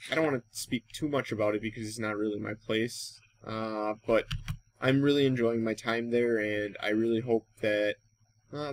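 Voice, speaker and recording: A man's voice: medium pitch, a little hiss or hum, poor audio. An American man from Wisconsin giving casual Let's Play commentary, rambling and thinking aloud as he goes. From Wisconsin, United States. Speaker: gaming YouTuber and host.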